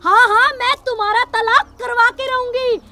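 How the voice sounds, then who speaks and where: A woman's voice: extremely high pitch, fairly even intonation, normal speed, bright, forceful tone, slight background noise, heavily acted. A woman playing a domineering old village headwoman. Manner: domineering, scolding, boastful. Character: haughty older village headwoman mother-in-law.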